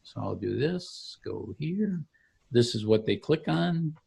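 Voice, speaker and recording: A man giving an informal software demo as a company founder, explaining each click like a salesman. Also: medium pitch, expressive, takes it slowly, gravelly, breathy edge. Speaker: company founder demonstrating his product.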